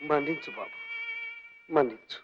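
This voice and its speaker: A ruined old millionaire chokes out his grief in a high, wavering voice that swings wildly up and down. The old film soundtrack is dull, with faint music underneath. He sounds broken and full of self-pity. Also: huge pitch swings, moderate pace. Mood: broken despair. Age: older. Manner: choked, grieving and self-pitying.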